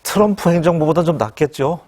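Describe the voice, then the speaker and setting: A man's voice: a little high, fast, darkish tone. A man hosting a broadcast interview, asking conversational questions and often chiming in with short acknowledgements.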